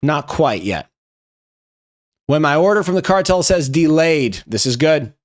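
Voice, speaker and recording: A man's voice: a little high, sing-song, a little slow. A young man with a slightly raised voice reads out memes on a live stream and reacts to each one. He swears freely and laughs as he goes. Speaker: streamer reviewing viewer memes. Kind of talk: casual live-stream commentary.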